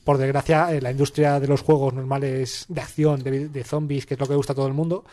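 A man's voice: mid-range voice, flat delivery, a little fast, warm tone. A man who is a game designer, guesting on a radio show, rambling and mocking himself. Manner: self-mocking, rambling, laughs easily. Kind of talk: casual radio interview.

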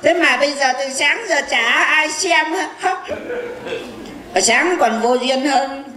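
A man's voice: very high voice, takes it slowly, a crowd in the background. A man playing a boastful, teasing blind fortune teller in a stage comedy skit. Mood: grumbling. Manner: bragging, teasing, insulting banter. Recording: echoey live stage with audience.

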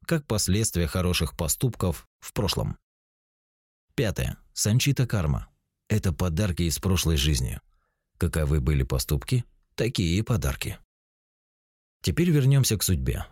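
A man in his forties narrates a spiritual self-help teaching, calm and explanatory. His voice sits very low with a mellow, dark tone. The recording is dry and close, with no room around it. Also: slightly rough, no room sound. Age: 40s. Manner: calm, explanatory, addresses the listener directly.

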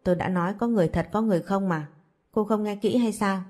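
A woman's voice: medium pitch, quick pace, a little mellow, faint music behind, close to an everyday voice. A woman voicing a stern, blunt young father who talks in a curt, lecturing way.

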